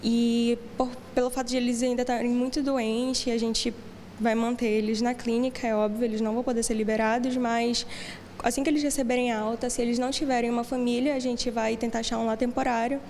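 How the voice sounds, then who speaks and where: A woman's voice: on the high side, level tone, brisk, darkish tone, big-room sound, slight background noise. A woman volunteer giving a conversational news interview about animal care. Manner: conversational, explaining.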